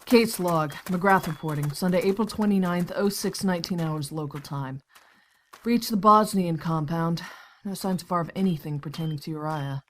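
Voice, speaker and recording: Woman playing a low-voiced, no-nonsense federal agent. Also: normal speed, slight background noise, lightly acted. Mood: dry, businesslike. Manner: businesslike, curt. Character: no-nonsense, firm American female federal agent. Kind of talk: audio drama acting.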